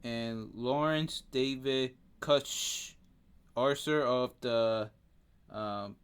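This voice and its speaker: Man, Spanish accent, podcast co-host, very slow halting reading, stumbles on names, smooth clear voice. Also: medium pitch. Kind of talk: casual podcast chat, reading out facts.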